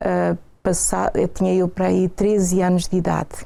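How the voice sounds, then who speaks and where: The woman's voice has a dark, mellow tone. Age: 60s. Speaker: church member. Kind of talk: testimony. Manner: halting.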